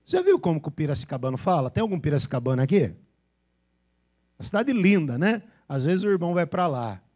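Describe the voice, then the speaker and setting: A man's voice: on the high side, big pitch swings, fairly quick, a little mellow. A man preaching a sermon to his congregation in a São Paulo interior accent, playfully imitating regional ways of speaking. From Brazil. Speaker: pastor. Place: church with a congregation.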